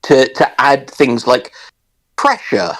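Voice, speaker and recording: A man's voice: mid-range voice, very animated, takes it slowly, a bit bright. A man on a casual discussion panel, talking hesitantly and piecing his sentences together in short fragments.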